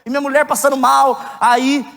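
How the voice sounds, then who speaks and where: Brief: male preacher, thirties, high-pitched voice, joking candid delivery, church hall with long reverb. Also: level tone, normal speed, creaky. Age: 30s. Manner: candid, joking, rising to loud emphatic outbursts. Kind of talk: sermon.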